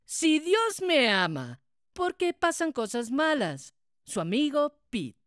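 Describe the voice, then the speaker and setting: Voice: high voice, wildly swooping pitch, slow pace, a bit bright, no room sound, clean studio sound, exaggerated voice. An actor voicing an earnest, easily flustered male tomato who politely hosts and narrates a cartoon show. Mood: friendly. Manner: polite, hesitant, explanatory. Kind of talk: cartoon hosting and story narration.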